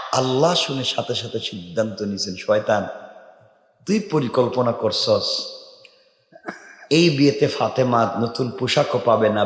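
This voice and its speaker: A man preaching a sermon, telling a story, at times drawn out in a sing-song call and at times talking low, and calling on the crowd to respond. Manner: shifts between high, sung, drawn-out calls and low storytelling; addresses the crowd and asks them to respond. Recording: echoey hall.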